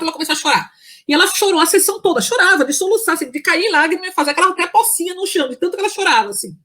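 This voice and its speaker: High-voiced chatty woman telling stories. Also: fairly bright tone. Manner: chatty, many fillers and restarts, acts out quoted speech. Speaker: interview guest, psychology professor. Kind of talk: casual storytelling interview.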